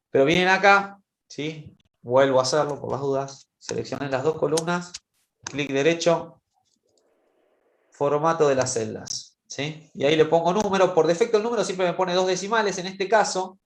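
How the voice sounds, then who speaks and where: A male teacher walking students through a spreadsheet exercise in an online class, patiently checking in with them as he goes. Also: a little high. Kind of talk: online class screen-share demonstration. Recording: roomy echo.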